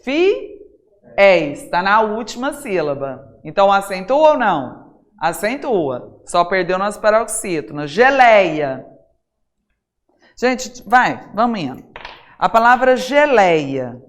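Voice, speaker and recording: A Brazilian woman teaching an exam-prep Portuguese lesson, talking straight to her students with many rhetorical questions and slowly stressing key words. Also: medium pitch, very animated. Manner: stresses single words by saying them slowly and loudly. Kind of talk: recorded classroom lesson.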